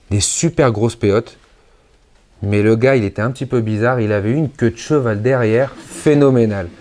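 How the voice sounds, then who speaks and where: A man, a rabbi, giving a conference sermon with emphatic rises and drops, mixing Hebrew religious terms into his speech. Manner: emphatic preaching, sudden rises and drops in pitch and loudness.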